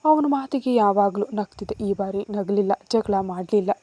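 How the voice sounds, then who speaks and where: A woman narrating a romantic story in the first person, in a soft, emotional way. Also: mid-range voice, normal speed, no room sound.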